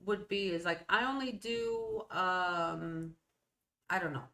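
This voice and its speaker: A woman's voice: lowish voice, lively intonation, slow, bright, forceful tone. A middle-aged woman whose first language is Spanish, talking in a rambling, casual way as a solo podcast host, often checking in with "okay?" and "right?". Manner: rambling, conversational, self-interrupting with "okay?" and "right?". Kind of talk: solo motivational talk.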